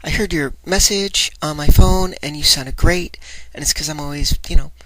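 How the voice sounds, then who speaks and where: A woman talking casually and hesitantly in a personal vlog, her voice light in resonance, a little breathy and nasal, sounding unsure of herself. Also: sits low, normal speed, a bit bright, no echo. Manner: hesitant, self-doubting. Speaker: voice trainee asking for feedback. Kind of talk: personal vlog, rambling confession. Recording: very noisy home recording, clicks.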